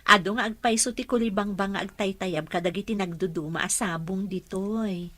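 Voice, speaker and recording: A woman playing a patient, dutiful mother and caregiver in an Ilocano radio drama, gentle and apologetic. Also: medium pitch, normal speed.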